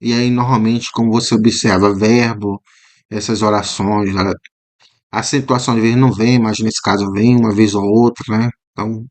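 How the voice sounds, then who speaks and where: A Brazilian man with a Brazilian Portuguese accent walks through exam answers as a teacher, in a mid-pitched voice. He explains patiently, tags his points with "né?", and slowly repeats words to model their pronunciation. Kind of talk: commented exam walkthrough.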